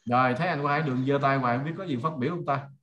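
A man's voice: medium pitch, rapid-fire, a bit bright, muffled recording, slight background noise. A middle-aged man with a Southern Vietnamese accent teaching informally on a video call, using everyday examples and often checking that listeners follow. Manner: conversational, checks listeners follow with rhetorical questions. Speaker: online marketing trainer.

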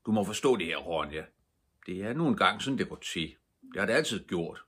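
A man voicing a proud, loud robber chief father in a storybook reading. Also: deep voice, expressive, slightly rough, exaggerated voice. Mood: earnest proud.

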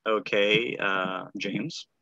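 A man hosting an online group podcast, talking in a halting way with lots of fillers and restarts. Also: on the low side, creaky, sharp tone, no room sound, muffled recording. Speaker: podcast host and founder. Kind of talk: casual online group call.

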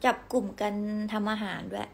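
A young woman hosting a casual livestream from home, telling stories in a chatty, giggly, animated way. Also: mid-range voice, brisk, creaky, a little hiss or hum. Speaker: idol livestream host.

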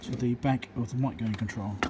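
Speaking a little fast in a mid-range voice with fairly even intonation, a man works through an electronics repair at his bench. He comments casually and matter-of-factly, unscripted, in short thinking-aloud fragments. Workshop noise fills the hand-held recording.

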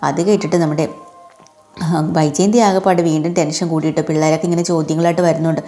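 A woman's voice: low-pitched, level tone, fast, mellow, soft background music. A young adult woman hosting a channel, chattily retelling a serial episode with frequent "aa" fillers. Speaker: host recapping a TV serial. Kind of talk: casual spoken story recap.

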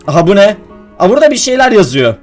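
A young man playing a video game and commenting to his viewers, excitable and quick to get worked up when the game goes wrong. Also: high-pitched, faint music behind. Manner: excitable, addresses viewers as friends, gets worked up at traps. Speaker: gaming YouTuber.

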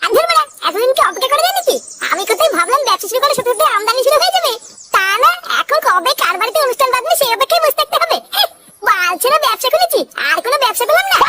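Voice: very high-pitched, very animated, racing, very noisy. A performer voicing a drunk, foul-mouthed young man who runs a new catering shop, boastful and crude, in a comic cartoon. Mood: grumbling. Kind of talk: Bengali comic cartoon acting. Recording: loud background music. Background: loud music.

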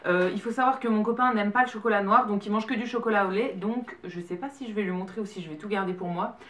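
A young French woman in her twenties chatting excitedly as she unboxes a gift parcel for her vlog. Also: mid-range voice, distant mic. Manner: chatty and excitable, quick bursts of delight. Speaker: beauty vlogger. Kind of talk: casual unboxing chat. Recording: roomy sound from away from the mic.

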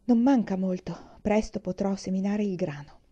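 A steady, hearty pioneer father, put on by a woman reading aloud. He calls out loud in a dark, mellow voice. The storybook recording sounds slightly dull and lo-fi. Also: mid-range voice, moderate pace, natural voice. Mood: musing.

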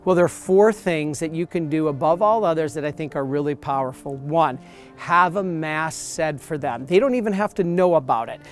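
A priest in his forties speaks straight to the camera outdoors on church steps, earnest and emphatic in a slightly high man's voice. His words come through a clip mic with faint music underneath. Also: moderate pace. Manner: earnest, emphatic preaching with hand gestures. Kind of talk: promotional sermon to camera.

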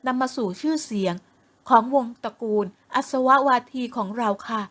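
A woman voicing a proud, stubborn plump teenage girl in an audio novel, speaking high and slow. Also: fairly bright tone, natural voice.

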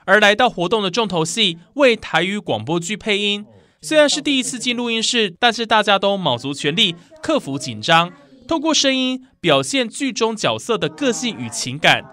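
A woman's voice: mid-range voice, big pitch swings, normal speed, fairly bright tone. A woman with a Taiwanese Mandarin accent reading scripted news narration as a reporter.

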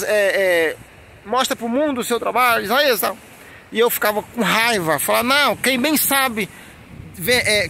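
A man's voice: high-pitched, bright, forceful tone, slight background noise. A man with a Brazilian Portuguese accent, a portrait artist giving an emphatic motivational talk straight to the camera, full of rhetorical questions. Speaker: portrait artist and channel host.

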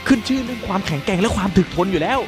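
A man's voice: high-pitched, expressive, very fast, over music. A man telling a dramatic first-person story in colloquial speech, emphatic and suspenseful.

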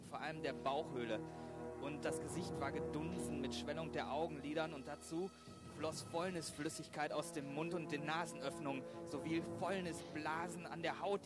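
A man narrating a crime radio play in a solemn, clinical, deliberate way. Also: on the high side, lightly acted. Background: loud music.

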